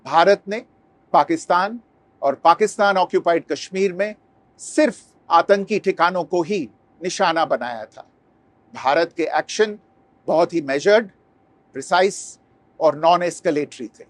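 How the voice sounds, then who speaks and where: A man reads a formal scripted statement like an official spokesperson, in a measured, deliberate way, phrase by phrase. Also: fairly high pitch, no echo.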